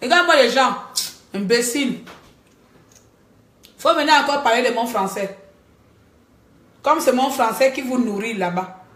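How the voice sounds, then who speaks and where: A woman talking to her viewers in a live-stream monologue, animated, scolding and joking by turns. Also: a little high, a little slow, long pauses. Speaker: livestreamer. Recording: echoey room.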